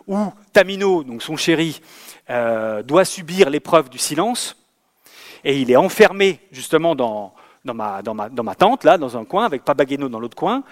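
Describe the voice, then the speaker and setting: A man, a theatre director, giving a lecture full of anecdotes. He acts out the scenes he describes, stumbling often over fillers and repeated words. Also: on the high side. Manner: lively storyteller who acts out scenes.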